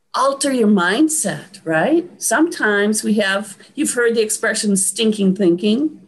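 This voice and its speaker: At a fairly slow pace and with hardly any pauses, a woman speaks with a fairly high, somewhat breathy voice, lively intonation and very even loudness. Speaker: educator and presenter. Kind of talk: online presentation. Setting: video call. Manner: upbeat, encouraging.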